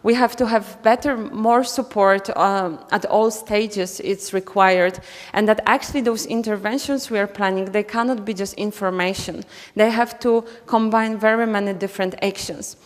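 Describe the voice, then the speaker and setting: A woman's voice: medium pitch, fairly even intonation, normal speed. A woman from Poland, giving a conference talk with many ums and restarts. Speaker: conference speaker. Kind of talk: conference presentation. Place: conference hall. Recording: reverberant conference hall.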